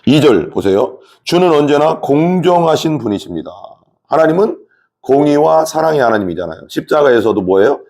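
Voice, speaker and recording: Mellow-voiced Korean pastor talking through scripture. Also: male voice, fairly high pitch, very animated, a little fast, vocal fry. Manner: conversational, asks the listeners questions, frequent fillers. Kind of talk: Bible study sermon.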